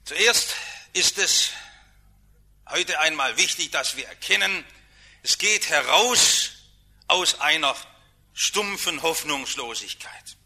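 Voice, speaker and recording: A man delivers an emphatic sermon, dropping to near-quiet then rising with force. His voice sits a little high, with a very bright, sharp edge. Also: expressive, slow pace, vocal fry, pauses often, breathy edge. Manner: emphatic, dramatic swings in loudness. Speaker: preacher.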